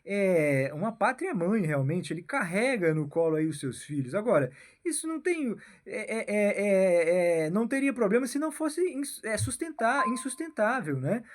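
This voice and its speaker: His voice high and swinging widely in pitch, a male political commentator with a Brazilian accent rambles through a monologue. Halting and prone to restarting and repeating himself, he attaches "né?" and "meu filho," meaning "my son," to his phrases.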